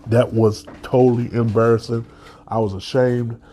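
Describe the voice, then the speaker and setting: A man's voice: mid-range voice, little pitch movement, normal speed, mellow, slight background noise. A man hosting a solo sports podcast, stuffed up from a cold, talking as a passionate fan with many restarts and "okay?" tags. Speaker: podcast host.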